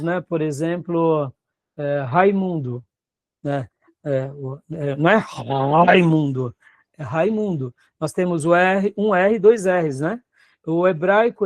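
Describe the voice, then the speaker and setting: Brazilian pastor teaching a Bible class. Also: male voice, sits high, no room sound. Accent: Brazilian Portuguese. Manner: conversational, checks in with the class often.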